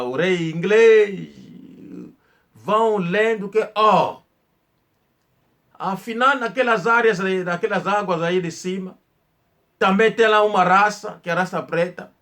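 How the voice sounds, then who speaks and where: Um homem que conta história num tom informal, falando de forma enfática, com repetições e hesitações. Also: male voice, sits high, fairly bright tone. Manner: slow, emphatic storytelling with hesitations and repetitions. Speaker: channel host. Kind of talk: informal history talk.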